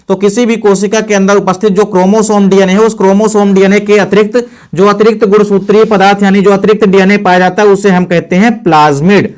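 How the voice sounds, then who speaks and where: High-voiced teacher quizzing himself. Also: male voice. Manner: repeats points, asks and answers own questions. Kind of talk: board lesson.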